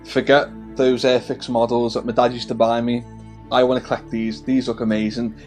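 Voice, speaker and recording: A man's voice: medium pitch, flat delivery, normal speed, a little mellow, soft background music. A man in his thirties from the Wirral, with a Scouse-tinged accent, chatting casually to camera as the host of a hobby channel, friendly, with many fillers and restarts. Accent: Wirral, with a Scouse twang. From the Wirral, England. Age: 30s.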